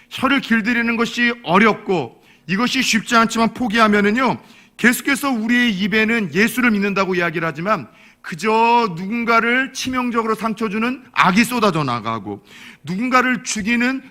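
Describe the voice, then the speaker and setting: A man's voice: high-pitched, bright, forceful tone. A man preaching a sermon as a pastor, earnest and mixing in folksy humor. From Korea.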